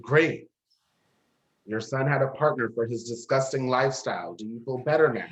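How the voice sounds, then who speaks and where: An actor playing a bitter, grieving, sharp-tongued young gay man in a drama, sarcastic and confrontational. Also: medium pitch, normal speed, natural voice, rough recording. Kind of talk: dramatic dialogue acting.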